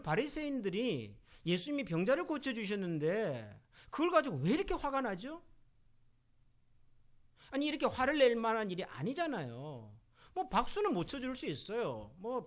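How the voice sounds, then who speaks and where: A middle-aged man preaching a sermon as pastor, asking the congregation questions and acting out quoted voices. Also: sits high. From Korea.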